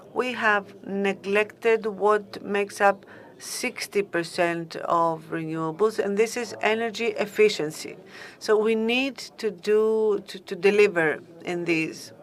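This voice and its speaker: Slow, halting woman speaker. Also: mid-range voice. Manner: halting, measured, searching for words. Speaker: conference panel speaker. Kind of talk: formal conference remarks.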